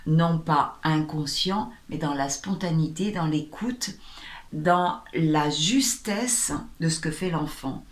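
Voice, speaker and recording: Female spiritual guide being interviewed: lowish voice, lively storyteller who acts out scenes, echoey room. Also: slow. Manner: animated, acts out little everyday scenes. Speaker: sound healer and spiritual guide. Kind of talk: interview guest.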